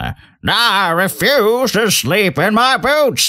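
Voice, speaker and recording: Using a put-on character voice, a man speaks high and raised, projecting outward. His pace is very slow. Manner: enthusiastic, indignant.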